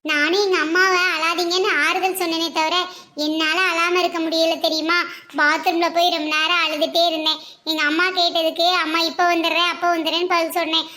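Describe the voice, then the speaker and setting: Woman doing a very high, girlish cartoon voice. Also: little pitch movement, a little fast, pushed and bright. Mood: earnest. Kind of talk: cartoon voice acting.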